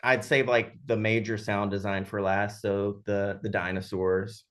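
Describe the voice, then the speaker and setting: A man speaking casually and haltingly as a sound designer in an interview, thinking aloud as he explains. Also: lowish voice, little pitch movement, a bit bright.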